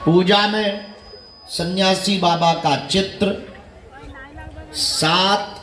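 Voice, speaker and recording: This spiritual teacher's voice is high and steady, a touch bright, and it echoes noticeably over light background noise. In a measured, unhurried sermon, he explains how to practice mantras and keeps repeating a string of rhetorical questions.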